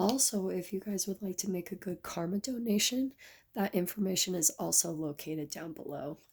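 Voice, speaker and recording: A woman with a somewhat breathy voice speaks at medium pitch. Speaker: tarot reader. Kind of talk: tarot reading. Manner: speaking carefully and clearly.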